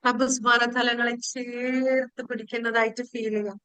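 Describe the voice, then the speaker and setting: A woman leading a guided spiritual meditation and prayer in a pleading, devotional way with drawn-out phrases. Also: fairly high pitch, little pitch movement, bright, forceful tone, smooth, dry recording.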